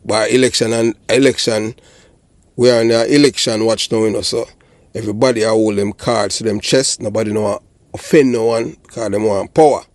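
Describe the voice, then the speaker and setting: A man's voice: lowish voice, fairly even intonation, a little fast, no echo. Blunt older Jamaican man, dry sound. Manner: blunt, emphatic, often checking with "you know" and "you understand". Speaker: channel host and commentator, former police officer. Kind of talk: political commentary monologue.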